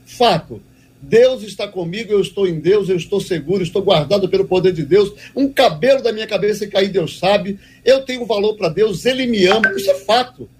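A man's voice: sits high, lively intonation, fairly quick, slight background noise. A man giving a devotional teaching talk as a preacher, speaking emphatically and repeating key phrases for weight.

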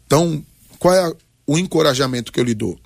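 A man's voice: on the high side, expressive, fast talker, vocal fry, no echo, clean studio sound. A Brazilian man in his forties, a pastor giving personal testimony and exhortation on a talk programme in short, emphatic, preacherly phrases. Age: 40s. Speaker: pastor, guest on a radio debate.

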